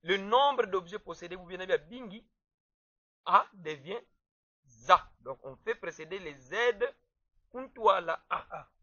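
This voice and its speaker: A man teaches a grammar lesson, speaking deliberately and repeating words for emphasis. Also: sits high, lively intonation, bright, forceful tone, no echo. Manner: slow, deliberate, repeats words to stress them. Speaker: language teacher. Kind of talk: explaining grammar to viewers. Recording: dull, slightly muffled dry sound.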